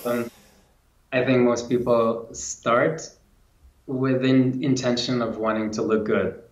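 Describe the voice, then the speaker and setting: A man's voice: medium pitch, little pitch movement, slow pace. A man in his forties from Lithuania, a coach telling his story reflectively in an interview over a video call. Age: 40s. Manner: reflective, many restarts and repeats. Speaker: guest, movement and strength coach. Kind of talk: casual interview talk. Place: home room with plants and guitar, indoors. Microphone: video call, camera at a distance. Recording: roomy, dull video call audio.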